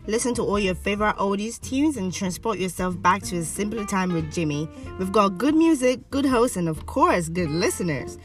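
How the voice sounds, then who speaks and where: A woman's voice: medium pitch, far from the mic. A woman voice-over artist reading scripted advertising copy. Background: music.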